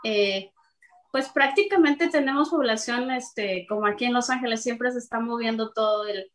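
A woman's voice: fairly high pitch, normal speed, fairly bright tone. A woman from Mexico City, a guest in a casual panel chat, hesitant and using many fillers.

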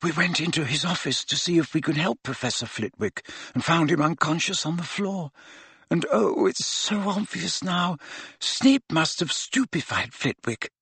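A man voicing a distraught teenage witch who blames herself in a high-pitched, muffled, halting whisper. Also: animated, bright, forceful tone, slightly rough, no room sound, exaggerated voice. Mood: ashamed, distraught. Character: distraught teenage witch, ashamed and self-blaming.

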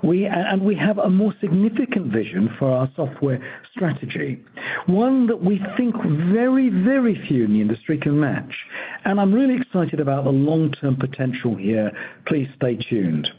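A man's voice: fairly high pitch, big pitch swings, moderate pace, slightly rough. Enthusiastic man on a tinny phone line. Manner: enthusiastic, emphatic delivery. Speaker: company executive on earnings call. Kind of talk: prepared earnings call remarks.

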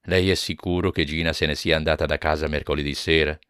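A man reading a grave, low-voiced police inspector. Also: fast talker, clean tone, dry recording, clean studio sound. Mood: probing. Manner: calm, clipped questioning.

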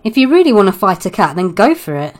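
A woman playing a dry, exasperated pantomime narrator, delivering comic scripted narration with wry deadpan. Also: medium pitch, quick pace, natural voice.

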